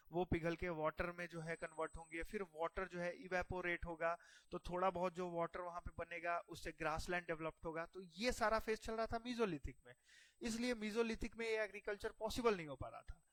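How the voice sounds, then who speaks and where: High-voiced male history teacher, dry. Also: a bit bright, no room sound. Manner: explains with repeated rhetorical questions and checks. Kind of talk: exam-prep lecture.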